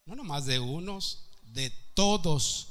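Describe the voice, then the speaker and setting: A man's voice: on the high side, lively intonation, takes it slowly, a bit bright. A man preaching a sermon, calling out to the congregation with repeated questions and rising to emphatic peaks.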